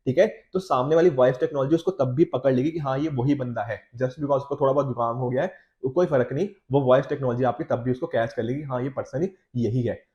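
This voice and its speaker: An Indian man, a teacher and exam coach, talks fast in a warm, medium-pitched voice, and the recording cuts off the highs. He gives a conversational lecture on newspaper editorials in Hindi and English, often checking in with listeners, his throat slightly affected by a cold.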